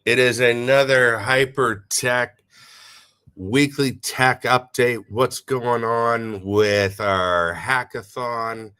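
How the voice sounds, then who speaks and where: A man hosting a casual live audio stream, sounding nasal and stuffy from a head cold and giving upbeat shout-outs to listeners. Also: mid-range voice, steady tone, takes it slowly, smooth. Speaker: host. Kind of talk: casual livestream chat.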